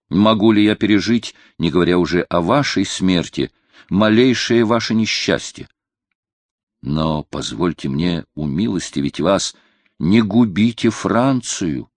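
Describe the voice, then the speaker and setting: A man's voice: on the low side, no echo. A man voicing a devout, loyal counselor pleading fervently with his friend, in an audiobook reading.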